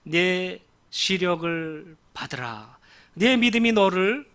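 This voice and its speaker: A man voicing a calm, commanding male teacher who speaks slowly and solemnly. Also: high-pitched, full character voice.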